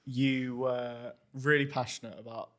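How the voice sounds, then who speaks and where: A man hosting a podcast in an easygoing, conversational way. His voice sits at a middling pitch, and he asks his questions casually. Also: flat delivery, a little slow, a bit bright. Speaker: podcast host. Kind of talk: casual interview.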